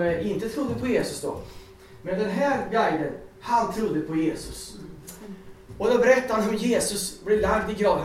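A high-pitched lay preacher gives an informal sermon to a gathering, weaving Bible verses together with personal testimony in a chatty, laughing, animated way. He's distant from the mic in a strongly echoing hall, with faint hiss underneath.

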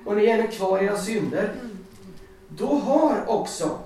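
A man giving an informal sermon and personal testimony, chatty and animated, often laughing as he tells stories. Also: high voice. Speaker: lay preacher. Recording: echoey hall, distant mic, faint noise.

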